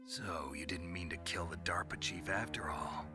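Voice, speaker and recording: An actor playing a gruff, world-weary, self-blaming soldier hero in a video game, with a gravelly growl. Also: male voice, sits low, moderate pace, over music, natural voice. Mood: terse, accusing. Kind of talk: dramatic video game voice acting.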